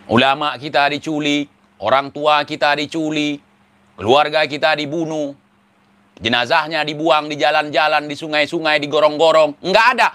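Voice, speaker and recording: A man's voice: fairly high pitch, fairly even intonation, a little slow, pauses often, fairly bright tone. A man from Aceh, giving mocking, sarcastic commentary. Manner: mocking, teasing, laughs at his targets. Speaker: online commentator.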